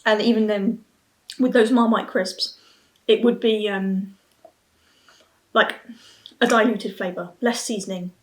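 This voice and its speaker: A woman's voice: mid-range voice, fairly even intonation, unhurried, low-quality recording. A woman in her twenties giving a casual review to camera, musing and often restarting her thoughts. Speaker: beer and snack reviewer. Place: small plain room at home, seated at a table.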